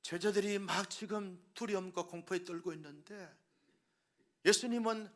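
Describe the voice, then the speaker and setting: A middle-aged pastor preaching with a high, bright voice. He tells the story like a drama and acts out the voices. He drops to hushed whispers, then rises to loud cries. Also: normal speed. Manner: swings between hushed whispers and loud exclamations. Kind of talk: sermon.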